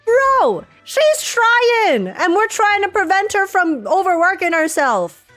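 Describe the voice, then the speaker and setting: A woman streamer giving animated, dramatic live reactions to a game, exclaiming as she goes, with game music behind her. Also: very high voice, slow. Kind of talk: live reaction commentary, reading game text aloud. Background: video game music.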